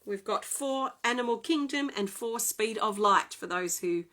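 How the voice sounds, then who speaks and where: A woman, excitedly and chattily reading oracle cards in a live stream from home. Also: on the high side, unhurried. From Australia. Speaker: oracle card reader.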